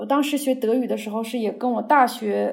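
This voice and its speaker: With audible room echo, a woman's somewhat breathy, fairly high voice moves at a moderate pace. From northern China. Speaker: journalist and researcher. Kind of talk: interview. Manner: halting, many fillers.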